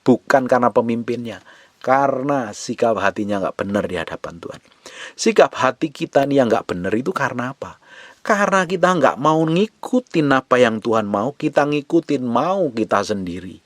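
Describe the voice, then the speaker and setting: A man preaching a sermon, dropping to near whispers and then rising to loud, emphatic lines. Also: medium pitch, expressive, moderate pace, dry recording. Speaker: pastor.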